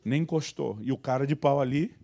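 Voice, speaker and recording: A man's voice: a little fast, gravelly. A man pastor, telling funny stories in a church sermon and acting out the people in them. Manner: animated, acts out quoted dialogue with sudden high voices. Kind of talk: humorous storytelling sermon. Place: church service.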